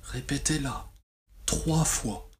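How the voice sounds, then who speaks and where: Guy doing guided yoga nidra, really slow and soothing, long pauses, some ambient noise behind him. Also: mid-range voice. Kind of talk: guided relaxation meditation.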